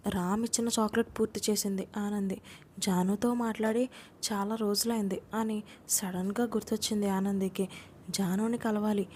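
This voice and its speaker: A woman's voice: medium pitch, darkish tone, a little hiss or hum. A woman narrating an audiobook love story, reading every character's lines in her own voice with light acting.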